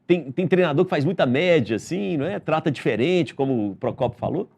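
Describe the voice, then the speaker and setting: A man's voice: on the high side, lively intonation, fairly quick, vocal fry, darkish tone, breathy edge. A man hosting a TV talk show, who asks guiding questions and keeps affirming his guests with short replies. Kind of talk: studio interview.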